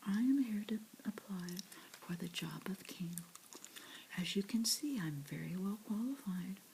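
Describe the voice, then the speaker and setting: A woman voicing a hopeful young boy who wants to be king, in a soft whisper. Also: mid-range voice, animated, a little slow, vocal fry, a little hiss or hum, rough recording.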